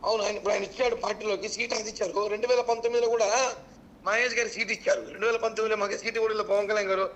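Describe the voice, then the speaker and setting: Male politician, high voice, very rapid delivery, defensive, explanatory, stumbling restarts. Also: level tone, a bit bright, slight background noise. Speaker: political party leader as debate guest.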